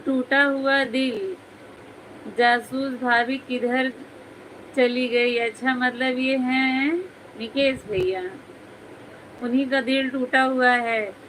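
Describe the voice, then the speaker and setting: A woman's voice: high voice, fairly even intonation, slow, pauses often, a bit bright, slight background noise, low-quality recording. A woman hosting a casual live stream, chatting with viewers, reading their comments aloud and teasing them by name, often breaking into giggles.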